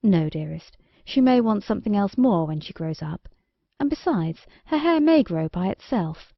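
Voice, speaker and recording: A woman voicing a kindly, sensible fairy-tale king and fond father in a measured, gently authoritative way. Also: mid-range voice, expressive, creaky, no echo, muffled recording. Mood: tender, reassuring. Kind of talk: storybook character dialogue.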